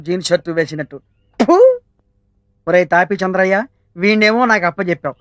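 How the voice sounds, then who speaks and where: A man acting as a fussy grocery shop owner who scolds his worker in a quick, excitable comic way, with film music behind. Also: sits high, no echo. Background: film background music.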